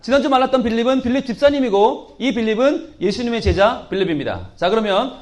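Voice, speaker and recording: A man preaching a playful children's sermon as their pastor, teasing and animated. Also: extremely high pitch, quick pace.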